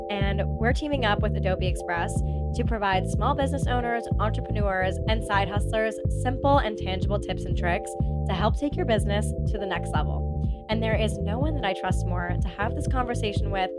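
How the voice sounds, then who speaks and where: A woman's voice: medium pitch, normal speed, loud music behind the voice. A woman hosting a podcast, talking with gushing enthusiasm and lots of "like" while getting over a cold. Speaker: podcast host. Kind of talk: upbeat podcast intro and chat.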